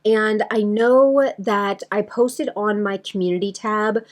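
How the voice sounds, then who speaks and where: A woman's voice: mid-range voice, takes it slowly. A woman talking casually to her viewers as a beauty vlogger, in a chatty, rambling way that addresses them directly. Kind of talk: casual chatty vlog to camera.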